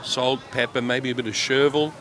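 A man's voice: medium pitch, level tone, normal speed, a bit bright. A man hosting a casual radio chat, enthusiastic and teasing as he talks about food. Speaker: radio host.

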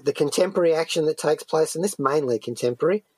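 Man, slightly husky, enthusiastic radio host. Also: fairly high pitch, quick pace, dry recording. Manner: enthusiastic, discursive. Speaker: radio show host and reviewer. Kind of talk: conversational TV review chat. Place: dry radio studio.

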